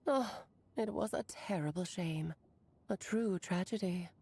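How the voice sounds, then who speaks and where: A woman's voice: lowish voice, a little slow, a little mellow, slightly rough. A woman voicing a grand, self-assured woman mage in a video game, with eloquent, dramatic delivery. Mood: storytelling.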